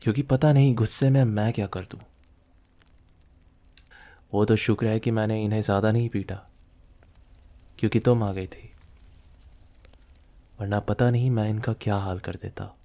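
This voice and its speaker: A possessive mafia boss acted by a man speaks intimately in a low, dark, relaxed male voice. He is controlling and teasing, with a quiet threat under his words, in the close style of an ASMR roleplay. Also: close to an everyday voice. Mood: menacing.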